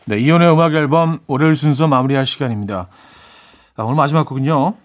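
A man's voice: fairly high pitch, fast. A middle-aged man hosting a radio music show in a chatty, casual way, reading listener messages and joking about them. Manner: chatty, reads listener messages and plays up reactions.

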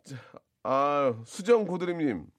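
A man's voice: a little high, big pitch swings, takes it slowly, no room sound, clean studio sound. A man hosting a casual radio show with joking, teasing banter and many short repeated interjections. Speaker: radio host.

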